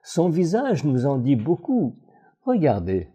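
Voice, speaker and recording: A man, a voice coach, reads a scripted voice-over analysis in a measured, analytical way. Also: on the high side, slightly rough, lo-fi sound. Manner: measured, analytical, expressive phrasing.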